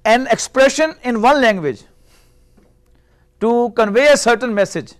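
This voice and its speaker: High-voiced man lecturing on Arabic grammar. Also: animated. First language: Urdu. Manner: measured, explanatory, rhetorical questions. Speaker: Arabic teacher. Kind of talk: classroom lecture. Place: small classroom indoors. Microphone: lapel mic.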